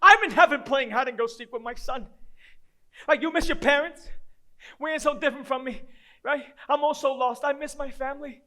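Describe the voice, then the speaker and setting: A man's voice: very high voice, brisk, bright, forceful tone. An actor playing a down-and-out grieving father, self-loathing and desperate, rambling in streetwise, profane dramatic monologue. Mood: wry, wistful. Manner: rambling, profane, streetwise, talking to an unseen child.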